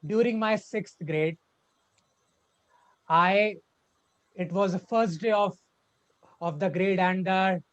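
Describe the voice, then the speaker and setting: A young man telling his personal story as a club speech, halting and repeating words with a stutter. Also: high-pitched. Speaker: club speaker. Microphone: video call. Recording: dull lo-fi online call audio.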